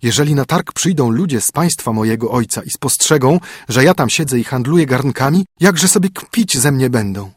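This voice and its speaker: A man's voice: mid-range voice, lively intonation, moderate pace, few pauses, slightly rough, dry recording, studio quality. A man voicing a proud young princess fallen into poverty, in a storybook reading. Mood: distressed. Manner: haughty, then plaintive.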